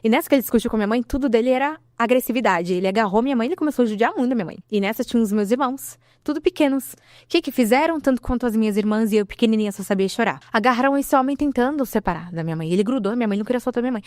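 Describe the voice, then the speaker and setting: A woman in her thirties giving an emotional personal testimony as a podcast guest, telling her story with animated delivery and acting out the dialogue she remembers. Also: on the high side, dry recording, clean studio sound.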